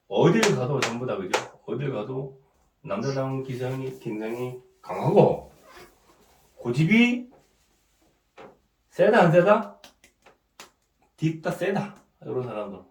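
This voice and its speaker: A middle-aged man with a cold and a sore throat, giving an informal lecture. He keeps asking "right?", clears his throat often and restarts his sentences. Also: medium pitch, lively intonation, unhurried, pauses often, recorded from a distance, noisy background. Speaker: saju fortune-telling teacher. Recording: echoey room, voice set back from the mic.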